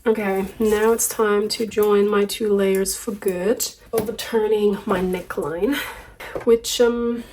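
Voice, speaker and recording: A woman's voice: mid-range voice, fairly even intonation, takes it slowly, darkish tone, slight background noise. A woman from Austria, talking casually through a sewing project, her voice a little sick. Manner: chatty, self-deprecating asides. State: slightly sick voice. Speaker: sewing vlogger. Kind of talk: casual sewing vlog narration.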